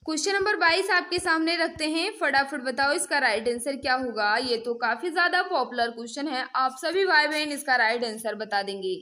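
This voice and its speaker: A woman's voice: sits high, normal speed, few pauses, pushed and bright. A woman teaching an online exam-prep class, quizzing her learners and repeatedly prompting them directly for answers. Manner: repetitive prompting, addresses learners directly as friends. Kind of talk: interactive mock-test lesson, quizzing viewers.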